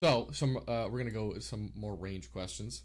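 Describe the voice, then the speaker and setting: With an American accent, a man talks at a moderate pace, his pitch swinging very widely. The background is quiet. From United States. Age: 20s. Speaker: podcast host. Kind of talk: interview. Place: home room.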